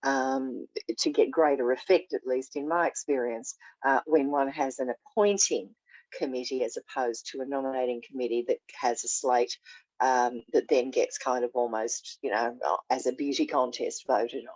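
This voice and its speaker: A woman's voice: extremely low pitch, fairly even intonation, moderate pace, a little mellow, no room sound, rough recording. A woman speaking at an online forum over a video call, losing her voice, offering rambling, hedged remarks with many fillers. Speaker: forum participant. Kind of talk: meeting remarks.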